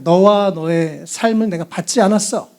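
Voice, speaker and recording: A man's voice: sits high, normal speed, a little mellow. A man voicing God as he plainly and informally rebukes a man. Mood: rebuking. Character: God rebuking a man, calm male deity.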